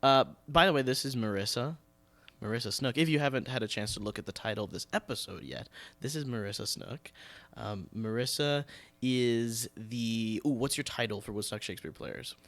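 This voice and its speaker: A young man hosting a podcast interview, chatting informally and halting and restarting as he goes. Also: mid-range voice, fairly bright tone. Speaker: podcast host. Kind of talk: casual interview chat.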